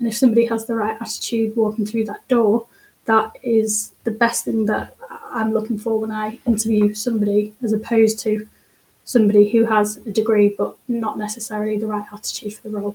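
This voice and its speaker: The speech comes at a fairly quick pace in a monotone, flat intonation. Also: woman, fairly high pitch for a woman. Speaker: procurement executive. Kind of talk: interview conversation.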